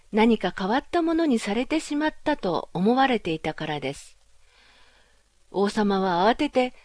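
A woman reads a fairy tale in a gentle, measured way. Her voice sits fairly high. The recording is dry and close, with no room sound. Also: dry recording. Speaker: narrator. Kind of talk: storybook narration.

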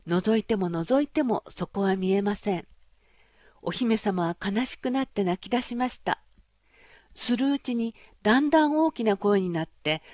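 A woman reading a fairy tale aloud as an audiobook narrator, in a measured, gentle, formal way. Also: mid-range voice, no room sound, clean studio sound.

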